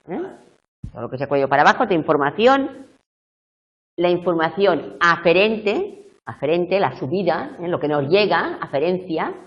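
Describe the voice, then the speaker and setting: A middle-aged woman giving a university tutorial lecture, explaining step by step and often checking in with her students. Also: deep voice. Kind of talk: live video tutorial lecture. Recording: muffled lo-fi classroom recording.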